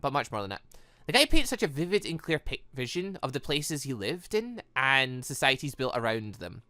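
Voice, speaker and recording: A man's voice: medium pitch, very animated, moderate pace, bright, forceful tone, no room sound, voice pushed down. A man voicing an earnest, bookish, awkward young man from a visual novel game, in a flustered, wordy manner. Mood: fascinated.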